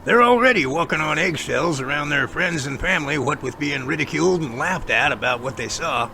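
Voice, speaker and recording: A man playing an earnest, self-assured Bigfoot investigator in an audio drama, explaining things in measured, speech-like lines. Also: a little high, animated, vocal fry, background noise. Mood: earnest, reassuring. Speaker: actor in a Sasquatch audio drama. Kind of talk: amateur audio drama dialogue.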